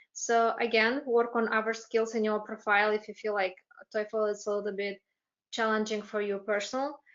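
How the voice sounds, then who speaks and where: A woman talks in a Moldovan accent at a moderate pace. Her fairly high voice has monotone, flat intonation. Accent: Moldovan Romanian accent in English. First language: Romanian. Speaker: dental student advisory committee member. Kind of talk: webinar panel answering questions. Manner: halting, many fillers and restarts.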